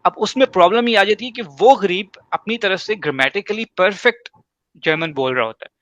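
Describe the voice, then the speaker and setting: A man's voice: high-pitched, fairly bright tone, no echo, highs cut off. A man whose first language is Urdu, giving emphatic advice in a casual talk and explaining with examples. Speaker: host.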